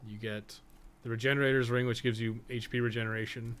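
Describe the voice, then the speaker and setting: A man's voice: medium pitch, flat delivery, quick pace, fairly bright tone, smooth. A man giving casual live gameplay commentary, rambling and thinking aloud in loose, sometimes profane language. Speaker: podcast co-host and gaming streamer.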